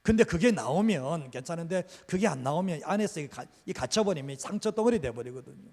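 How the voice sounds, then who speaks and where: Emphatic pastor preaching in a reverberant church. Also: male voice, a little high, animated, a little fast, darkish tone. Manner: emphatic, repeated rhetorical questions. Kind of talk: sermon. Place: church sanctuary.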